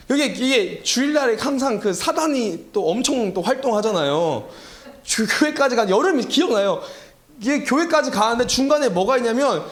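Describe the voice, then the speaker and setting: A man preaching a revival sermon as pastor, telling a personal story and asking the congregation questions. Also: sits high. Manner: animated, acts out quoted voices, rhetorical questions to congregation.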